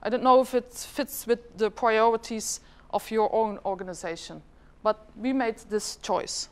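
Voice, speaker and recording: She's a middle-aged government department head from Flanders, a native Dutch speaker, talking informally at a conference and questioning her listeners. Her pitch is fairly high, her intonation fairly even, and she takes her time.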